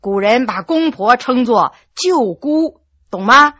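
A woman's voice: a little high, expressive, pushed and bright, no echo, lo-fi sound, heavily acted. A woman voicing a patient bookish scholar. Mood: patiently explaining. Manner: measured, chanting classical text slowly.

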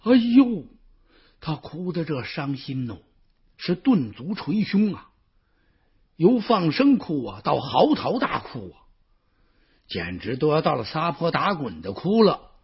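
A male storyteller, telling a historical tale in a lively, colloquial way full of exclamations, with a husky voice. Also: fairly high pitch, a little slow, lo-fi sound. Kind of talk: traditional Chinese storytelling.

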